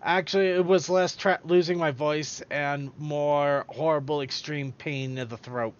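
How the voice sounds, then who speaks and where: A man's voice: fairly high pitch, steady tone, measured pace, muffled recording. A man hosting a podcast in casual chat, rambling and stumbling over his words as he goes. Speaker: podcast host.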